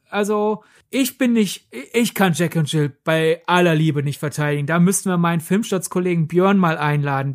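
A woman co-hosting a podcast, telling rambling, self-mocking stories about films. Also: low-pitched. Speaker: podcast co-host. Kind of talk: casual film chat.

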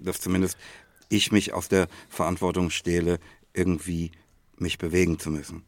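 A man's voice: low-pitched, little pitch movement, normal speed, no room sound. A man co-hosting a podcast in casual banter, with a teasing, dry way of talking. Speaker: podcast co-host.

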